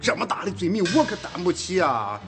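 A man's voice: high-pitched, big pitch swings, a little fast, music in the background. An actor playing a boastful, blustering male mountain bandit in a TV sitcom. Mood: weary. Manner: blustering, wheedling, then cowardly. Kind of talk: TV sitcom acting.

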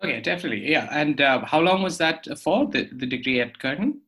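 Bright-voiced young male podcast host. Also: a little high, lively intonation, fairly quick, rough recording. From Australia. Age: young adult. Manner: friendly, hesitant with fillers and restarts. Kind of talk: conversational interview.

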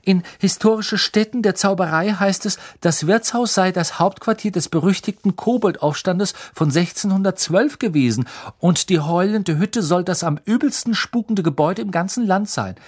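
Bossy clever schoolgirl witch as a man puts her on, raised pitch, sharp insistent tone, storybook reading. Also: moderate pace. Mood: eager.

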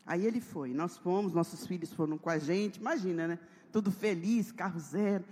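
A woman's voice: fairly low pitch, normal speed, breathy edge. A woman pastor, telling a testimony in a sermon and acting out the dialogue. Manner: animated storytelling, acting out dialogue. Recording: long hall reverb.

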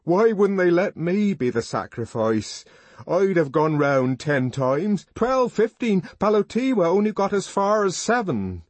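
A man voicing an intense, proud young man who declaims slowly with a voice trembling with emotion. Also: lowish voice, sing-song, a little mellow, slightly rough, no room sound, heavily acted. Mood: anguished.

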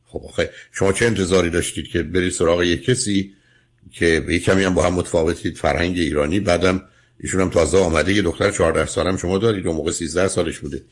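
A man's voice: low voice, steady tone. A man hosting a radio call-in advice show, firmly lecturing and questioning a caller. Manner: firm, lecturing, interrupts with questions.

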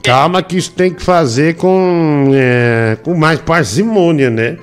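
Man, stream host, slangy, teasing, relaxed chat. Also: a little high, slow pace, smooth, soft background music. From Brazil. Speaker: livestream show host. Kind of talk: casual live-stream chat.

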